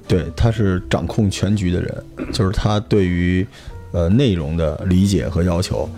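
A man, co-hosting a podcast and explaining his points in a measured, thoughtful way. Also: low-pitched, dark tone, faint music behind. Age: 40s. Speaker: podcast co-host. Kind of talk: casual podcast chat.

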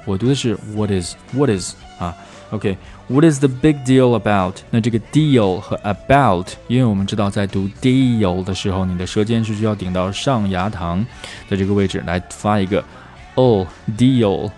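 A man teaching English pronunciation who explains step by step and repeats example phrases slowly for drilling. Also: lowish voice. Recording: soft guitar music underneath.

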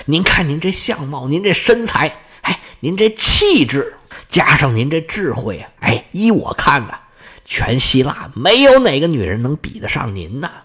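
Man putting on a fawning suitor leader, high lively voice, husky, flattering storybook man. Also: full character voice. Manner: gushing, drawn-out flattery.

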